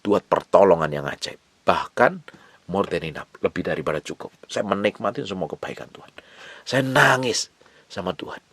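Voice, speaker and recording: A man preaching a sermon, urging his listeners over and over, with sudden loud bursts and soft whispered asides. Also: low-pitched, animated, normal speed, breathy edge, dry recording.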